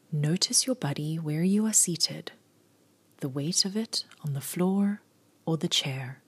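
A woman leading a scripted guided body scan meditation in a breathy near-whisper, giving soothing, unhurried instructions in short phrases. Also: low voice, darkish tone.

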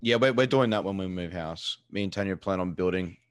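Deep-voiced, blunt Australian man. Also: fairly quick, no room sound, studio quality. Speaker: live streamer, interview guest. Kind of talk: casual chat. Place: living room.

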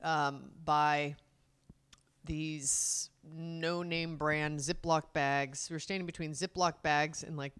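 A woman in her thirties co-hosting a podcast, telling stories casually with wry, deadpan quips. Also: deep voice, takes it slowly, clean tone. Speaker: podcast co-host. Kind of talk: casual chat.

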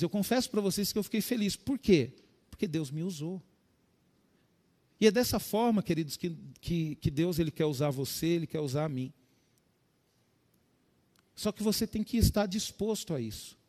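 Brazilian male pastor, high-pitched, middle-aged, emotional sermon delivery. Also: animated, normal speed, long pauses, a little mellow. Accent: Brazilian Portuguese. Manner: preaching with sudden rises in pitch and volume, addressing "queridos".

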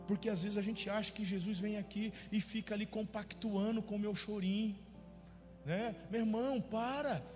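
A man's voice: high-pitched, steady tone, normal speed, darkish tone, in a large hall, soft background music. A man preaching a sermon as a pastor, impassioned and acting out the people in his story.

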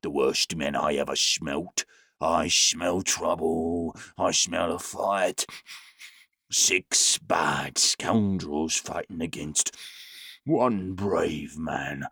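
A man's voice: deep voice, extremely slow, sharp tone, husky, no room sound, clean studio sound, voice pushed down, heavily acted. A man voicing a growly, mumbling, loyal dog in a storybook reading. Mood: menacing. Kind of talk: storybook character voice.

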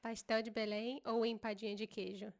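A woman's voice: fairly high pitch, little pitch movement, moderate pace, creaky. A woman, interviewing a guest with short playful reactions. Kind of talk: casual interview.

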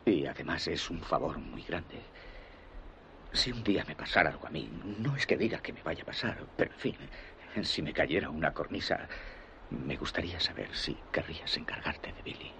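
Casting: bright, expressive protective father, urgent then tender in a film dub. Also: very deep voice, normal speed, creaky, a little hiss or hum, heavily acted. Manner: urgent and anxious, then gentle and soothing. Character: worried adult father, protective and devoted.

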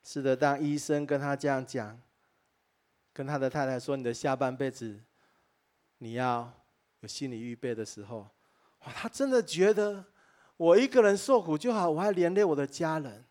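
A man's voice: on the high side, animated, moderate pace, darkish tone. A male pastor preaching a sermon to his church congregation. He tells stories earnestly, breaks in with exclamations of wonder and speaks to his listeners directly as dear friends.

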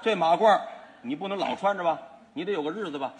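A man's voice: high voice, fast talker. A man in a crosstalk comedy act, protesting and bickering in an indignant way. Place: theater stage before a live audience. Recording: reverberant live theater sound.

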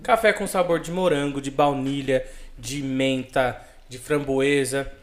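A man's voice: medium pitch, steady tone, a little slow. A man with a Brazilian Portuguese accent hosting a live podcast, joking and laughing often. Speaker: podcast host. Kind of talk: casual live podcast chat.

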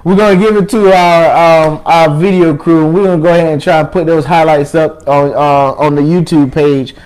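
A man with a high voice co-hosts a relaxed chat. He talks in an animated way, laughs often, and repeats words as he restarts his sentences. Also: normal speed, clean tone, poor audio. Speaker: co-host. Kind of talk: casual chat.

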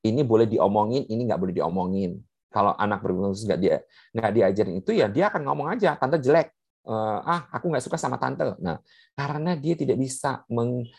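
A woman's voice: rumbling low, darkish tone, no echo. A woman gives a seminar talk, explaining points one by one many fillers. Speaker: speaker on puberty in children with special needs.

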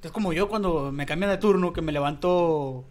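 Here the Mexican co-host's fairly high voice comes across a little mellow and moderately paced. He's casually narrating a wandering story, full of slang and cursing, for the podcast.

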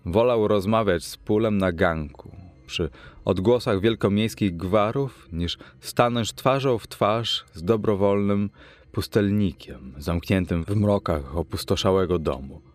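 Male audiobook narrator, very deep, expressive and measured. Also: no echo. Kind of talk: audiobook narration of a classic novel.

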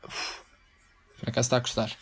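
A man's voice: brisk, a bit bright, a little hiss or hum. A young man with a European Portuguese accent, hosting a casual solo podcast, rambling and slangy. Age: young adult. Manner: rambling and slangy, breaks into mock singing. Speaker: podcast host.

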